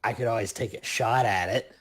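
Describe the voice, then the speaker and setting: A man's voice: medium pitch, fairly quick, a bit bright. Male tabletop player, average register, casual joking chat during a streamed game.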